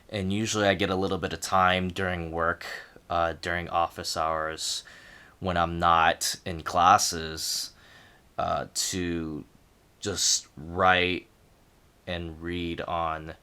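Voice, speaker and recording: A man talking casually and reflectively to camera as a language learner, in halting phrases with repeated words. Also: sits low, pushed and bright, smooth. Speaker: language learner sharing progress.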